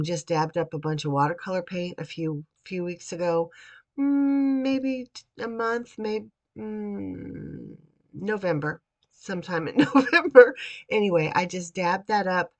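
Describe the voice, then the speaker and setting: Chatty woman host, raspy and stuffy from a cold, casual crafting voiceover that rambles and restarts. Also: lowish voice, measured pace. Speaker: card-making channel host. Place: home craft desk.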